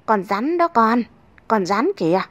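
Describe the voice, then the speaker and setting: A woman's voice: a little high, big pitch swings, a little slow, fairly bright tone, no room sound, full character voice. Woman playing a coaxing young husband. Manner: coaxing, cajoling. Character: playful young husband coaxing a crying toddler.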